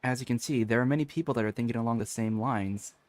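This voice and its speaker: An actor playing a cool, blunt young man in a video game, speaking in a measured, deadpan way. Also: mid-range voice, slight background noise, lightly acted. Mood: calm, dry. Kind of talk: video game character acting.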